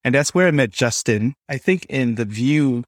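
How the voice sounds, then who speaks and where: A man's voice: mid-range voice, lively intonation, moderate pace, no room sound, clean studio sound. A man from Singapore speaking as a podcast guest, explaining tech in a conversational interview style. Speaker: podcast guest, developer experience lead.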